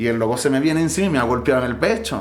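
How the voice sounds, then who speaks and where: A man with a Venezuelan accent talks at a very fast pace with lively intonation. The recording has audible room echo and noticeable background noise. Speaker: migrant. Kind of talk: interview. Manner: animated.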